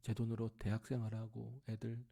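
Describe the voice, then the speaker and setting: A middle-aged man with a fairly low, creaky, slightly rough voice preaches fairly quickly in a church sanctuary. Through sermon storytelling about his own family, he acts out relatives' voices in lively bursts, lowering to a near-whisper in the tender parts.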